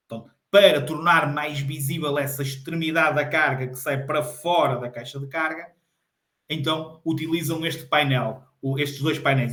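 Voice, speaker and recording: A fairly slow pace in a European Portuguese accent. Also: man. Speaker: driving instructor. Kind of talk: online lesson. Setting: live stream.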